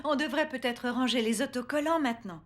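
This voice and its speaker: A woman's voice: high voice, brisk, close to an everyday voice. A woman playing a cheerful, tender mother of small children in a children's cartoon.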